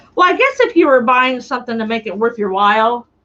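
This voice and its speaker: Loud and bright with a sharp tone, a woman speaks with an American accent. Her pitch is fairly high. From Illinois. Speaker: crafter. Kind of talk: craft tutorial livestream. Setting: live stream.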